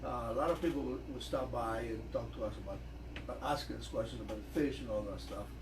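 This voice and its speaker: A man talks at a fairly quick clip over noticeable background noise. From Greece. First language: Greek. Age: 80s+. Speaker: author. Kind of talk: interview answer. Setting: studio.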